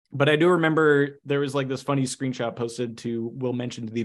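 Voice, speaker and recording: Over a quiet background, a man speaks fairly quickly at a medium pitch with fairly even intonation in an ordinary speaking voice. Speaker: podcast host. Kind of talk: casual chat.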